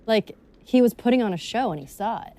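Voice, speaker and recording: A woman's voice: fairly high pitch, animated, brisk, dark tone, slight background noise. A woman, an actress on commentary, chatting candidly and giggling with self-mocking humor. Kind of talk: casual commentary chat.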